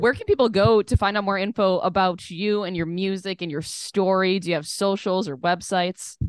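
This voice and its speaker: A woman with an American accent has an ordinary speaking voice at a medium pitch with ordinary pitch variation. She keeps a moderate pace with hardly any pauses against a quiet background. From Chicago. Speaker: podcast host, DJ. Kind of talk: casual chat.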